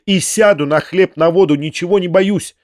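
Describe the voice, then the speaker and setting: A man voicing an impassioned, defiant young girl in a storybook reading, loud and vehement. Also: high voice, dry recording, studio quality, voice pushed up, natural voice. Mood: reckless fury. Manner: loud, vehement, rapid insults.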